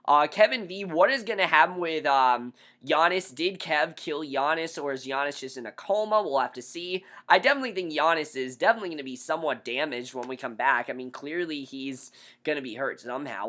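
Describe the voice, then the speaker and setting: A man casually reviewing a TV episode, blunt and opinionated, his voice hoarse after being sick. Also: a little high, bright, forceful tone. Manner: blunt, opinionated, repeats himself. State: hoarse from recent illness.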